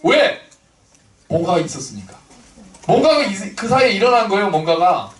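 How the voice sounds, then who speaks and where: A man's voice: sits high, sing-song, normal speed. A man pastor preaching a sermon in a conversational way, acting out quoted people in different voices. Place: church sanctuary. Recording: echoey church hall from far off.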